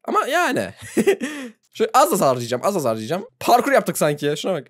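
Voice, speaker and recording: A fast-talking young man giving playful gaming commentary. His voice jumps up and down in pitch, and he laughs a lot and shrieks at surprises. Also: huge pitch swings. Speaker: gaming YouTuber. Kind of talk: let's play commentary.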